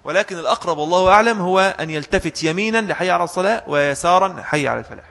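Guy teaching a class, kinda high voice, long echo from the hall, switches formal to casual, chants bits to show how. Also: animated, racing, vocal fry, a bit bright. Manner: mixes formal Arabic with colloquial asides, demonstrates chanted phrases. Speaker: religious teacher. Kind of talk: classroom fiqh lesson.

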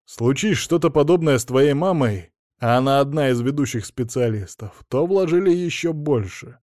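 A man's voice: medium pitch, lively intonation, moderate pace, a little mellow, no room sound, clean studio sound, lightly acted. Man reading as a wry, blunt lawyer. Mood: matter-of-fact. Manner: frank, matter-of-fact, faintly mocking. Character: wry, blunt middle-aged male lawyer.

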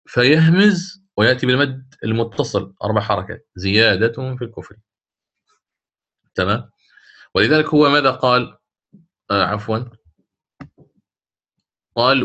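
A man teaches Quran recitation rules in an even, mid-pitched voice. He draws out the quoted verses in a slow chant, then explains them at a brisk pace. He often corrects himself along the way. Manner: frequent self-corrections and fillers.

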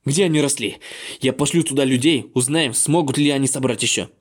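A man's voice: medium pitch, a little fast, breathy edge, lightly acted. Man voicing a swearing old clan grandfather. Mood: agitated. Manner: coarse, swearing, shouting in disbelief. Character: gruff old male clan grandfather, volatile.

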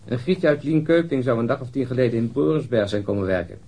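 Casting: wry, grumbling policeman for radio crime drama; raspy voice, animated melody, blunt informality. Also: medium pitch, fast talker. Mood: reporting, disgruntled. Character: blunt, grumbling, wry male police colleague getting older. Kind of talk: radio drama acting, naturalistic.

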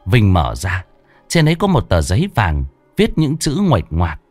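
Husky guy telling a scary story, voice swoops up and down a lot, dry sound with soft music. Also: low-pitched, huge pitch swings, no room sound. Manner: slow, dramatic, hushed storytelling. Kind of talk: scripted horror story narration. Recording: dry close voice with faint music.

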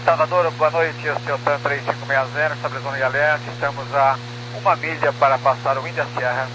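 Man, pilot over the radio, fast clipped read-backs, noisy radio transmission. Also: a little high, fairly even intonation. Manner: clipped, routine radio phrasing. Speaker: airline pilot. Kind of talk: radio read-back to air traffic control.

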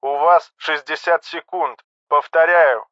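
A man's voice: fairly high pitch, fairly even intonation, takes it slowly, no echo, lo-fi sound. A man voicing a proud young male cadet captain who barks clipped military commands over a ship's radio intercom. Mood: commanding. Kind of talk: audiobook character reading.

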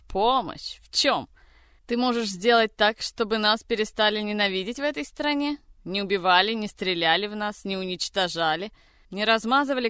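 Figure: furious man voiced by a reader. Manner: shouting, harsh, accusing. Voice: smooth and clear, louder and higher than the narration. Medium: audiobook. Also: no room sound, studio quality, natural voice. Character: furious man, a general's grandson, lashing out.

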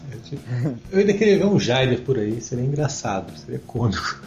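A young man with a Brazilian accent hosting a casual podcast, reading out listener comments in a relaxed way. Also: medium pitch, a little fast, soft background music. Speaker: podcast host. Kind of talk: casual chat. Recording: roomy, dull lo-fi sound.

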